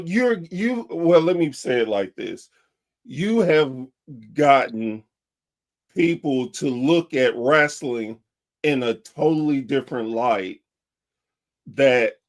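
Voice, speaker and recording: A man hosting a podcast, praising his guest with many halting restarts. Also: on the high side, a little mellow. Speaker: podcast host. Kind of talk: casual interview talk.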